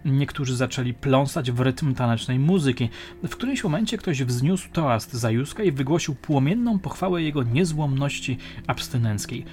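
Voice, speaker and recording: A man narrating a crime audiobook in a measured, dramatic storytelling manner. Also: mid-range voice, lively intonation, darkish tone. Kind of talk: audiobook reading.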